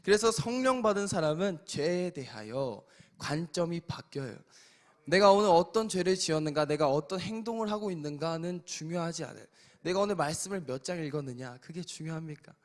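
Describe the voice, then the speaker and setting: A man preaching a sermon as pastor, swinging between loud exhortation and soft, quiet asides. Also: a little high, expressive, a little fast. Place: church sanctuary.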